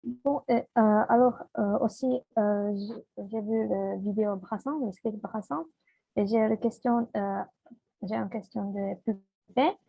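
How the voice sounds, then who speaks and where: A woman's voice: medium pitch, measured pace, creaky, husky, dry recording. A woman speaking French as a second language with a foreign accent, hesitantly searching for her words as she asks questions. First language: not French. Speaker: festival participant asking questions. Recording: muffled phone-like online call audio.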